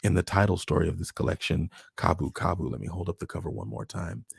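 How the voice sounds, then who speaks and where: A somewhat breathy voice with ordinary pitch variation, dry and close with no echo, on a very clean recording against a silent background. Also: man. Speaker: storytelling livestream host. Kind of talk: casual livestream chat after reading aloud. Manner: hesitant, many fillers.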